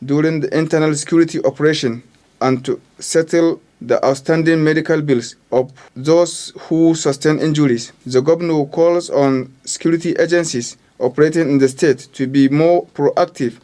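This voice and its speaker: Higher-pitched Nigerian male news reporter. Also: fairly even intonation, normal speed, dark tone.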